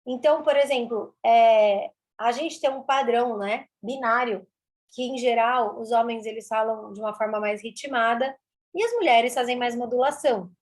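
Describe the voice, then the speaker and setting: A woman, a speech therapist explaining her work in an interview, animated and repeating words for emphasis. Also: a little high, moderate pace. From Brazil.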